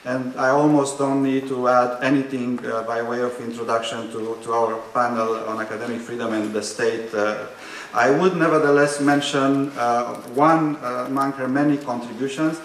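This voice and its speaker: A man from Romania introduces an academic panel from a podium. His voice sits at a middle pitch, and he speaks in a measured, hesitant way with many fillers and touches of dry humor. The sound carries the echo of a large conference hall. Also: steady tone, a bit bright, slight background noise. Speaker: panel moderator; higher education policy researcher.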